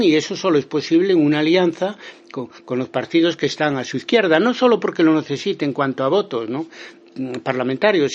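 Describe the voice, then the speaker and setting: A man with a Galician Spanish accent giving a phone interview as a guest, talking hesitantly with many fillers and restarts. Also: on the high side. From Spain. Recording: lo-fi phone line.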